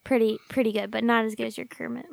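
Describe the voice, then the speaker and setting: A woman chatting on a podcast, excitable and giggly, who sometimes trips over her words. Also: on the high side, fast, vocal fry, dry recording. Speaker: podcast co-host. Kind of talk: casual podcast chat.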